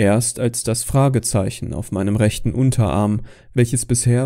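A man with a dark, mellow tone speaks dramatically with fairly even intonation on a very clean recording with a silent background. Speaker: audiobook narrator. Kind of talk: scripted narration. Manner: dramatic, hushed, foreboding.

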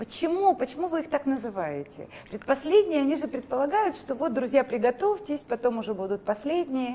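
At a fairly quick pace, a woman with a high voice speaks in very wide pitch swings. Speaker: interviewer. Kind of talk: interview. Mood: lively, warm. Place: hall. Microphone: lapel.

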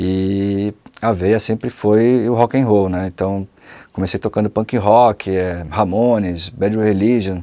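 Over a quiet background, a man with a dark, mellow, fairly low voice speaks at a very slow pace with fairly even intonation. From Brazil, Santos (São Paulo coast); São Paulo, Brazil. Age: 30s. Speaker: bassist; interviewee. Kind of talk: interview testimony. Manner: casual, hesitant with repetitions. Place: studio.

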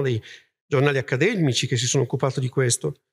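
A man speaks with a fairly high pitch and a somewhat breathy quality. The background is quiet. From Piedmont, Italy. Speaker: linguist; speaker. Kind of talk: public talk at a festival. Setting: hall with live audience. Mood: impassioned, annoyed. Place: hall. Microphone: handheld.

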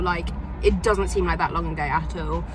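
Noticeable background noise behind a woman's dry, echo-free voice. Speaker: vlogger. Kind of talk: casual vlog chat. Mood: cheerful, excited. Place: car. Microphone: phone near.

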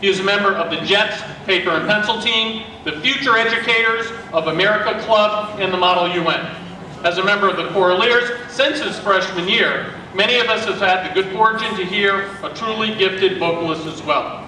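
A man speaks in a raised, projected voice at a moderate pace, intonation fairly even. Audible room echo and light background noise surround him. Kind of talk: formal ceremony introduction. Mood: warm, proud. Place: hall.

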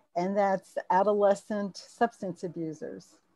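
A woman speaks at a moderate pace and medium pitch in a dark, mellow tone. The background is quiet. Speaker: guest co-host, psychology professor. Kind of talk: interview. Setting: video call. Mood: warm, smiling. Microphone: video call.

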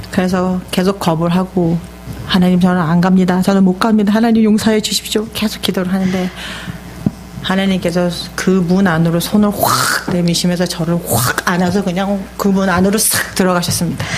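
Over light background noise, a woman speaks with very even loudness and a monotone, flat intonation. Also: moderate pace. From South Korea. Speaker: lay youth minister giving testimony sermon. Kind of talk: sermon with consecutive interpretation. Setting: church. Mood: earnest, emotional. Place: church.

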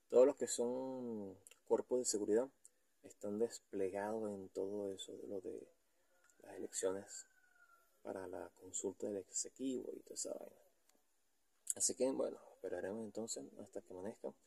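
This man talks at a moderate pace, his loudness swinging widely, with long, frequent pauses. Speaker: vlogger. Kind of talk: casual vlog chat. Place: car. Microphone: phone near.

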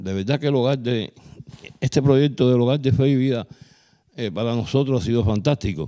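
The voice has a dark, mellow tone and ordinary pitch variation, moving at a moderate pace with long, frequent pauses over a quiet background. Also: man. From Cuba. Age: 60s. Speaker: church community member. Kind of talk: testimony. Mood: warm, grateful, earnest. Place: home room. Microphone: handheld.

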